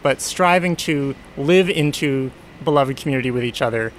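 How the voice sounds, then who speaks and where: A man's voice: mid-range voice, moderate pace, a little hiss or hum. A man speaking thoughtfully and earnestly in an interview, often stopping to rephrase. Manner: thoughtful, earnest, self-correcting. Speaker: resident of a Quaker community house. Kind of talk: reflective conversational interview.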